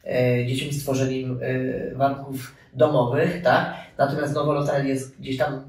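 A man's voice: medium pitch, little pitch movement, normal speed, darkish tone. A man in his thirties hosting a webinar interview, asking questions and speaking to the viewers directly, with some fillers. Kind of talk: hosted interview. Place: room with armchairs and radiator, indoors. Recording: echoey room, mic at a distance.

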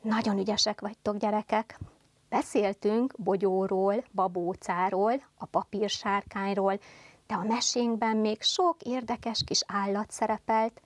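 A woman teacher giving a televised first-grade lesson, speaking slowly and carefully articulating to small children. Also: medium pitch, steady tone, no room sound. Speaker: primary school teacher.

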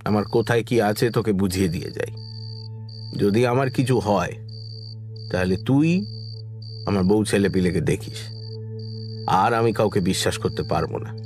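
A man's voice: on the low side, moderate pace, pauses often, darkish tone, soft background music, lightly acted. An actor playing a worried yet stoic village man in a horror audio drama, speaking in a familiar, emotive way. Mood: resigned, earnest. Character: male villager friend, worried yet stoic, plain-spoken.

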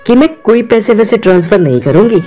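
A proud young daughter-in-law from a cartoon story, voiced by a woman. Her tone is dark and mellow, yet she speaks curtly and dismissively. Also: medium pitch, lively intonation, quick pace, faint music behind, close to an everyday voice. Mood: haughty. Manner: haughty, curt and dismissive. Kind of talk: Hindi cartoon moral story voice acting.

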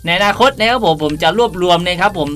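Fast-talking, chatty man hosting a tutorial. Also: high-pitched, pushed and bright. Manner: chatty, polite, addresses viewers often. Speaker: video creator and host. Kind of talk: casual game outfit tutorial for viewers. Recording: music behind the voice. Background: music.

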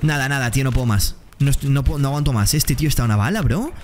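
A man giving excitable, slangy commentary while playing a game. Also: mid-range voice. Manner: excitable, slangy, quick exclamations to opponents. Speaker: gaming streamer. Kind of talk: gameplay commentary. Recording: gameplay noise and gunfire behind.

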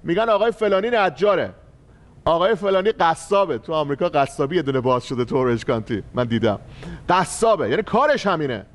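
A man with a somewhat high voice preaches a sermon as pastor. He teaches step by step from slides and repeats his key phrases for emphasis. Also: lively intonation.

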